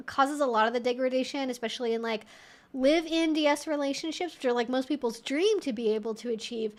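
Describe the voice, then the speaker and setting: A woman with a high voice hosts a live question-and-answer stream. She talks in a casual, explanatory way, sprinkling in "like" and "you know" as she works through her points. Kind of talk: casual educational livestream talk.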